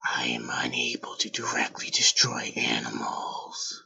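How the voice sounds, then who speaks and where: An actor voicing a talking robot remote, formal and stilted, with a whispery, gravelly voice. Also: a bass voice, sing-song, a little slow, sharp tone, full character voice. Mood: flat, formal. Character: talking robot remote, cold and matter-of-fact.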